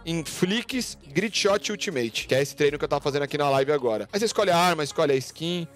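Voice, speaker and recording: A Brazilian man in his twenties streaming games from a home room on a headset, chatting casually and excitedly calling plays to teammates. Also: fairly high pitch. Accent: Brazilian Portuguese. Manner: fast, excitable calls to teammates. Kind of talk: casual gaming stream chat.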